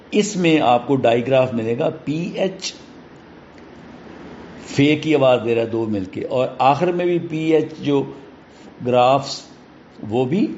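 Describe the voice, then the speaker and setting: A man with a Pakistani accent teaching a phonics lesson, patiently explaining and reading English sentences slowly, word by word. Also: mid-range voice, darkish tone, a little hiss or hum. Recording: roomy, dull lo-fi classroom recording.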